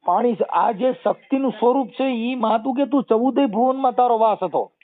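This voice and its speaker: Man explaining over a phone line. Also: very high voice. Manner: explains folk verses and history, chanting couplets slowly. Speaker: social media personality taking calls. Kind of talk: phone call discussion. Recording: tinny phone call recording.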